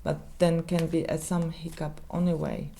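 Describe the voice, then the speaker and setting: A woman with a Polish accent, a native Polish speaker, giving a casual tarot reading in halting English with many restarts. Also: sits low, flat delivery, creaky, dark tone, slight background noise. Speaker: tarot reader.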